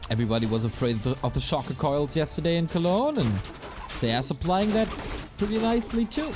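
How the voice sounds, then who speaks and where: A man casting an esports match play by play, his voice a little raspy, breaking into quick bursts of excitement at big plays. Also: fairly high pitch. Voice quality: slightly raspy. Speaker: esports caster. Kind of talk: play-by-play game commentary. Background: game music.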